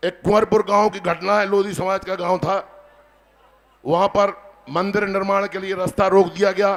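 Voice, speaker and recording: A man's high-pitched voice with long, frequent pauses and noticeable background noise. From Chanderi, Madhya Pradesh, India. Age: 60s. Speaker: politician. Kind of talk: political rally speech. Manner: loud; animated.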